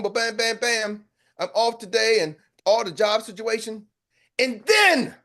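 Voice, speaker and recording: American sales coach hyping up his call, high-pitched voice, preachy and repetitive, real fired up. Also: a bit bright. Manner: fiery, preacher-like, repeats lines for emphasis. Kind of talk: motivational pep talk.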